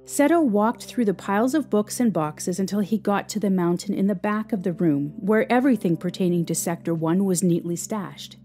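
A woman's voice: mid-range voice, normal speed, hardly any pauses, warm tone. A woman narrating a scripted story as the narrator of an audio drama.

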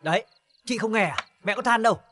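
An easygoing young husband who turns defensive and argumentative. His voice sits high for a man, and he talks fast. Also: fairly bright tone, soft background music. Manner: argumentative, quick retorts. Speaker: son in a TV drama.

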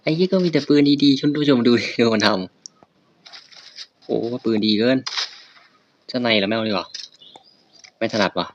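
A man calls out his gameplay in a rowdy, foul-mouthed stream of reactions, often loud and worked up. The sound is a little dull, as if from a modest home mic. Birds chirp faintly in the background. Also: mid-range voice, normal speed, long pauses, slight background noise. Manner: loud, excitable and profane, swearing at the game. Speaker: gaming streamer. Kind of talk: casual gameplay commentary.

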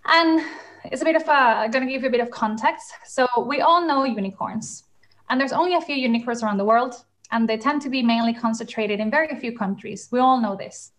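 A woman's voice: a little high, brisk. Upbeat young woman moderating a call. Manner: upbeat, enthusiastic, many fillers. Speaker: panel moderator. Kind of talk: hosting a video panel. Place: home room, in England. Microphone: video call.

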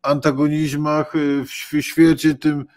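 A man hosts a political discussion from his home study over a video call. His voice sits a little high for a man. He asks long questions, hesitating and repeating words as he goes. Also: little pitch movement, measured pace, a little mellow. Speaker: host.

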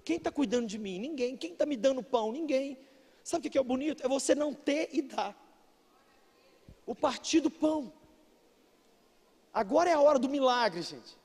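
A Brazilian man with a Brazilian Portuguese accent preaching a sermon as pastor, emphatic, breaking into shouts and then dropping low. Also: lively intonation, normal speed, pauses often, husky. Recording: long reverb of a large hall.

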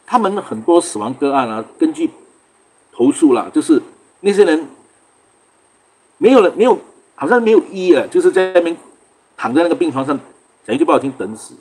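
A man's voice: fairly high pitch, very animated, fairly quick, pauses often, a little mellow, slightly rough. A man from Singapore hosting a casual livestream, chatting loosely, greeting viewers by name and laughing often. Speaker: livestream host.

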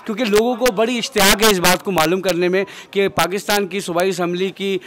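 A man's voice: high-pitched, steady tone, fairly bright tone. A man hosting an on-location interview outdoors near a shrine, formal and devout in his greetings, asking long questions. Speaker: interviewer and host.

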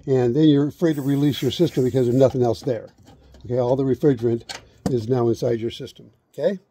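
A man's voice: mid-range voice, fairly even intonation, fairly quick, warm tone, a little hiss or hum. A middle-aged man giving a hands-on HVAC how-to outdoors, repeating steps and checking in with "okay?". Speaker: HVAC instructor. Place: outdoors beside an air conditioner unit. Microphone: camera held close, point of view.

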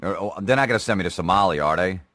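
A man's voice: sits low, racing, sharp tone, no echo. A man making a brash, crude prank call to an office. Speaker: prank caller. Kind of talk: cocky prank phone call.

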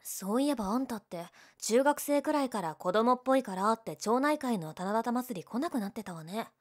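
A woman's voice: fairly high pitch, animated, brisk. A young woman playing a teasing, prickly, secretly lovestruck tsundere childhood friend in a romantic audio drama. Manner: bratty teasing, flustered, emotive.

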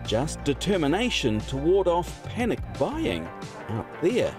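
Very animated New Zealand man narrating. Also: on the high side, a little slow. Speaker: TV reporter. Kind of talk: scripted news feature narration. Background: music.

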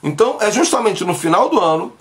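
A man's voice: high voice, very animated, fast talker. A man preaching on a live stream from a small bedroom, emphatic and talking straight to his viewers through a phone camera while sick with covid. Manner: emphatic, gestures broadly, speaks to viewers directly. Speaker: pastor. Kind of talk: livestream preaching. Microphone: phone camera at arm's length.

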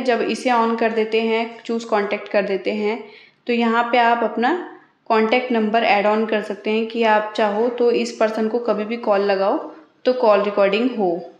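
A woman hosting a step-by-step phone tutorial, talking in an instructional way as she demonstrates. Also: on the high side. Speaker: host of phone tutorial videos. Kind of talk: step-by-step tech tutorial narration. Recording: roomy, echoey voice recording.

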